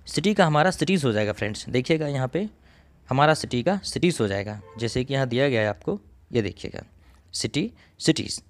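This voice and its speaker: A man teaching English grammar in a recorded coaching lesson, explaining each rule step by step, repeating phrases and clearing his throat now and then. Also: mid-range voice.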